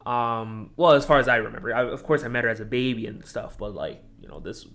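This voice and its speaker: A young man, a podcast guest, telling a personal story in a halting, disjointed way, full of restarts. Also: mid-range voice, a bit bright. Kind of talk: casual conversation.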